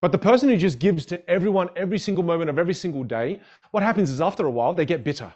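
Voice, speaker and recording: A man's voice: on the high side, animated, rapid-fire, darkish tone, lo-fi sound. A man whose first language is a Chinese dialect teaches public speaking in a live online masterclass, upbeat and greeting viewers in the chat.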